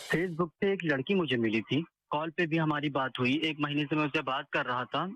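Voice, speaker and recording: An ordinary speaking voice from a man, fairly high in pitch with ordinary pitch variation, at a moderate pace and very even loudness, in a dry, close sound with no echo. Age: 20s. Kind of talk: radio caller on phone. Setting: phone line.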